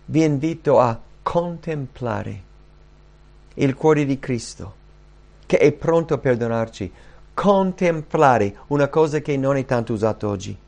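A man preaching a sermon, earnest, rising and slowing down when he quotes scripture. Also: medium pitch, lively intonation, gravelly, a little mellow. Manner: earnest, rises and slows when quoting scripture.

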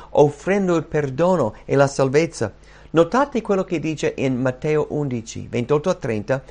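A man preaching a sermon, earnest, rising and slowing down when he quotes scripture. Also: fairly high pitch, a little mellow. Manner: earnest, rises and slows when quoting scripture.

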